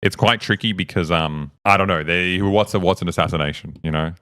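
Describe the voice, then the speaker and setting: A man's voice: sits low, brisk, fairly bright tone, smooth. A male streamer co-host in casual livestream chat, telling loose, sweary, rambling stories.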